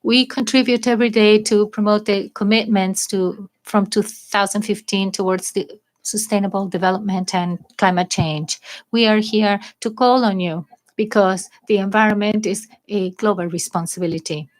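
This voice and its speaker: Female conference interpreter, mid-range voice, measured and slightly halting delivery of a formal address. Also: mid-range voice, steady tone. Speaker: live interpreter. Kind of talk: spoken interpretation of a formal speech.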